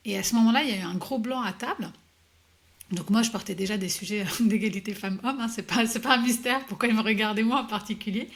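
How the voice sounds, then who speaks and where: A woman coach as an interview guest, telling her story hesitantly with many pauses and restarts. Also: a little high. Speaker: executive coach, podcast guest. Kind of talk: conversational interview answers.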